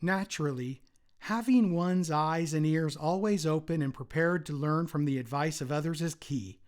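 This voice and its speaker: A man, a retired umpire, giving a formal prepared presentation at a convention in a measured, read-aloud way. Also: a little high.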